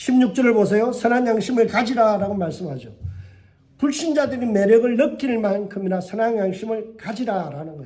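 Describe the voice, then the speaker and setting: Heard with audible room echo, a high-pitched man talks at a moderate pace with lively intonation. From Gyeongsang region, South Korea. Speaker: pastor. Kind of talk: sermon. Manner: sounds angry when voice rises.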